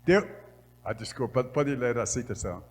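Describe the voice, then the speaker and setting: A man preaches a measured sermon in Portuguese in a large church hall, his voice medium-pitched and expressive. He's a missionary whose first language is English, speaking with a Brazilian Northeastern accent as a foreign speaker. He talks slowly and gets louder when reading scripture, and the recording carries the hall's reverb.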